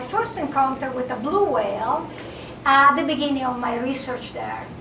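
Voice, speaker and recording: A woman with a strong Italian accent projects a raised, high-pitched voice at a moderate pace with ordinary pitch variation, amid noticeable background noise and audible room echo. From Italy. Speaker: marine biologist. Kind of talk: lecture. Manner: hesitant, frequent uh fillers.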